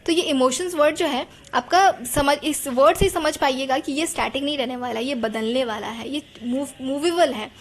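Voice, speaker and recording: A woman's voice: high voice, normal speed, few pauses. A woman gives a psychology lesson. She talks in a chatty way and keeps putting rhetorical questions to her students. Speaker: teacher.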